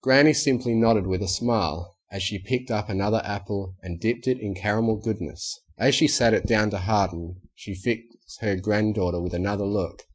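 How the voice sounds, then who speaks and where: A man narrating a storybook in a steady, even reading voice. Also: fairly low pitch, moderate pace, hardly any pauses, husky. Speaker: audiobook narrator. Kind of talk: scripted narration.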